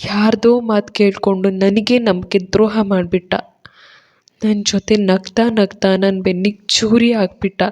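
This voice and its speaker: A heartbroken but defiant young heroine, as a woman narrator plays her, emotional and determined in her speech. Her voice is slightly low and soft in an audio love story. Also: fairly even intonation, unhurried, pauses often. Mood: tearful.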